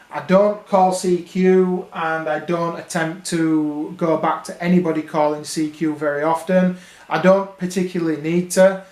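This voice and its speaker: Higher-pitched British man, echoey room. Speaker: amateur radio hobbyist giving his opinion. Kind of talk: casual unscripted opinion monologue. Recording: roomy, echoey sound.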